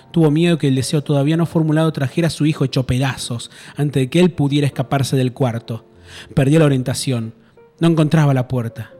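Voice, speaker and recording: A man, a radio host, reading a horror story aloud in a measured, suspenseful way. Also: fairly high pitch, warm tone.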